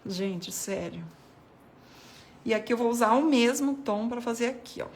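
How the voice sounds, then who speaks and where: A woman's voice: fairly high pitch, steady tone, quick pace. A woman giving a casual, chatty watercolor painting tutorial, talking viewers through each step as she paints. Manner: chatty, addresses viewers as "gente", points things out while painting. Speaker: art devotional host.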